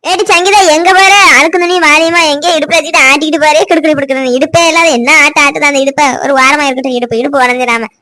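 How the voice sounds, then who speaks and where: A woman's voice: high-pitched, fairly even intonation, rapid-fire, hardly any pauses, bright, forceful tone. A woman voicing a nagging old village grandmother with a Tirunelveli Tamil accent, mocking and scolding.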